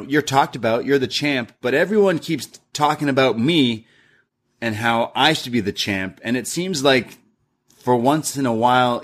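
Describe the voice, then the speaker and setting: A young man casually recapping a wrestling show, retelling lines in a lively, animated way. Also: mid-range voice. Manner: lively recap with acted-out quotes.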